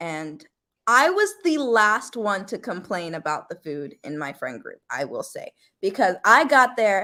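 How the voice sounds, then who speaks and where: With an American accent, a woman speaks fairly slowly in a raised, projected voice, her tone animated, bright and sharp, her pitch swinging very widely. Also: very clean recording, silent background. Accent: Southern, sometimes slips. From US South, Alabama. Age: young. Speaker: college student, host's daughter. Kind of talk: casual chat. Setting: livestream.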